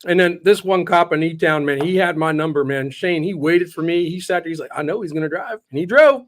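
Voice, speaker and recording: A man's voice: a little high, a little fast, a little hiss or hum. A man hosting a casual live interview, asking questions and telling upbeat stories of his own. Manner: upbeat, animated storyteller. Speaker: host.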